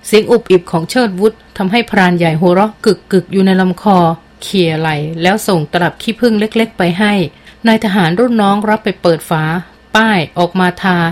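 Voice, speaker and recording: A woman narrating an adventure novel as an audiobook in a steady, measured reading. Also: medium pitch. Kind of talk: scripted narration.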